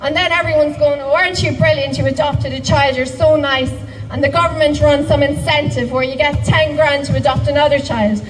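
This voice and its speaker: A woman's voice: sits high, steady tone, fairly quick, distant mic, over music, poor audio. A woman giving an impassioned protest speech in a town square, putting rhetorical questions to the crowd. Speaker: rally speaker.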